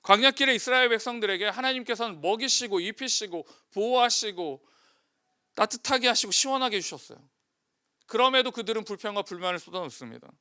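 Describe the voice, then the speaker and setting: High, bright-voiced male pastor preaching. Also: lively intonation, fast talker, smooth. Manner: asks the congregation rhetorical questions and answers them. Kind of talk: sermon.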